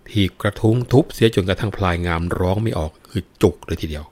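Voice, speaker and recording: A man retelling a classic folk tale in a lively spoken manner, adding dramatic emphasis as he goes. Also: low voice, fast talker. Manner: breaks into chanted verse recitation. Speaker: storyteller.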